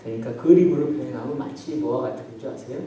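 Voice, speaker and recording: A man who is a pastor, preaching a sermon with emphasis and swinging between loud declarations and soft asides. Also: mid-range voice, fast, far from the mic. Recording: very echoey hall, from afar, faint noise.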